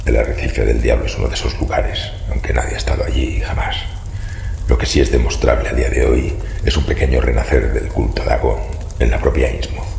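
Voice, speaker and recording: Horror audio drama: elderly, fearful occult scholar, gravelly half-whisper, flat solemn delivery, some background noise. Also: male voice, a bass voice, exaggerated voice. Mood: grave, ominous. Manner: grave, slow, ominous, formal. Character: secretive, fearful old male investigator of occult horrors. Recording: roomy echo with background noise.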